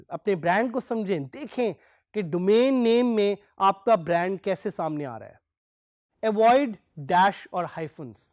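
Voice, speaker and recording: A man giving a recorded online lecture, switching between Urdu and English and slowing down to stress key terms. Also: high voice, no room sound, studio quality. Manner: mixes English phrases into Urdu explanations. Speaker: course instructor.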